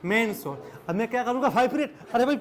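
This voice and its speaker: High-voiced Hindi physics teacher quizzing students. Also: male voice, expressive, fast, slight background noise. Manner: quizzes students constantly, calls them beta, jokes and laughs with the class. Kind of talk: classroom lecture with call-and-response questions. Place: classroom with students.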